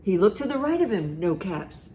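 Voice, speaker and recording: In an animated storytime for children, a librarian reads aloud and asks her young audience easy questions. Her voice is medium-pitched, very animated and dark in tone, at normal speed, over slight background noise.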